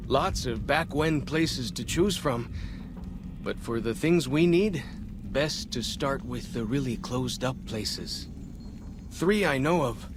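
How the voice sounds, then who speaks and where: A man playing a young, earnest tribal scout and guide in a video game, plain-spoken with simple, slightly halting phrasing. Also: mid-range voice, lively intonation, noisy background. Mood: helpful, earnest. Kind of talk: video game cutscene dialogue.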